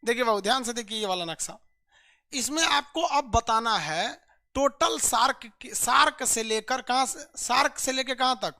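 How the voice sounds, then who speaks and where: Brisk, bright-voiced teacher. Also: male voice, extremely high pitch. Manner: brisk drilling, reads out viewers' comments, calls students "babu". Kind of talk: live online geography lesson.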